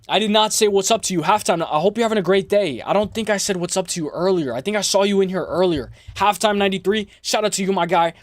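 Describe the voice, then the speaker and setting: High-pitched, slightly raspy male streamer. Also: dry recording, studio quality. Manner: slangy, chummy, repeats phrases, addresses viewers by name. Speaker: host of a live MMA preview stream. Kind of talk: casual livestream chat and fight commentary.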